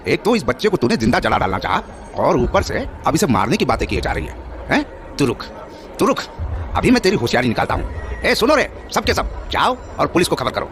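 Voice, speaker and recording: A man's voice: on the high side, sing-song, a little fast, a bit bright. An actor playing a self-righteous village man in a horror audio drama, harsh and accusatory in his scolding. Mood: angry accusing. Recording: noisy crowd and street ambience behind.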